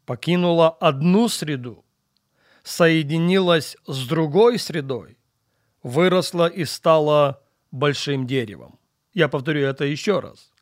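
A man preaching on the radio in a deliberate, emphatic way, repeating key phrases and letting sentence endings drop quieter. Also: on the high side, dry recording, clean studio sound. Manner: emphatic and deliberate, with repetition and rhetorical questions. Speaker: radio preacher and programme host. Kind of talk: radio sermon, Bible teaching.

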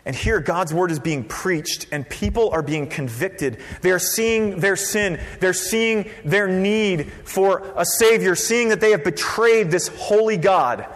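A man preaching a sermon as pastor, conversational and lively, dropping to a quiet voice for emphasis. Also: high voice, measured pace, few pauses. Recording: long reverb of a large hall.

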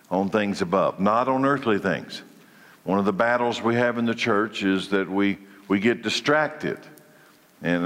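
A man's voice: on the low side, fairly bright tone, in a large hall. A congested man leading a church Bible study, preaching in a conversational way that often restarts his phrases. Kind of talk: church teaching session.

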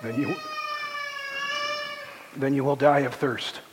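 A pastor giving voice to a great lion that speaks plainly and without emotion, grave and unbending. A long church reverb and soft ambience surround the voice. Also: male voice, mid-range voice, steady tone, slow, noisy background, natural voice. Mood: grave calm.

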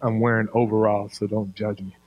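A man's voice: on the low side, flat delivery, a little fast, darkish tone, poor audio. A man with an African American English accent preaching a sermon, folksy and colloquial, driving points home with repeated phrases. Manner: emphatic, repeating key phrases for effect. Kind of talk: sermon to a congregation.

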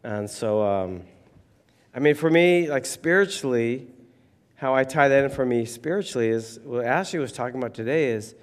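A pastor with a hoarse, froggy voice, giving a casual, rambling sermon full of fillers. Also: male voice, medium pitch, expressive, normal speed. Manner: rambling, conversational, many fillers. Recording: hall reverb.

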